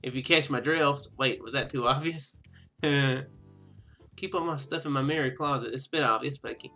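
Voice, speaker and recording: A man doing casual let's play commentary, reading game text aloud and rambling as he thinks out loud. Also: mid-range voice, moderate pace, soft background music. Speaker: gaming video host.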